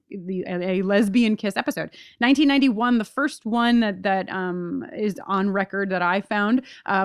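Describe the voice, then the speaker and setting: A woman podcast host giving conversational commentary on television, expressive and emphatic, with casual asides. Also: mid-range voice, clear, resonant tone, no echo, studio quality.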